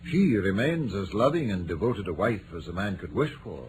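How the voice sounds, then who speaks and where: An actor playing a bluff, middle-aged gentleman client in a vintage radio drama, speaking earnestly, haltingly and uneasily. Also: on the low side, lively intonation, natural voice. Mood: troubled, earnest. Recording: noisy old radio drama recording.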